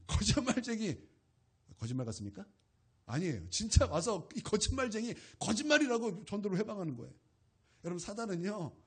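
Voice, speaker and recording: A man's voice: high-pitched, husky. A man preaching a Sunday sermon as pastor, with emphatic repetition and rising exhortations.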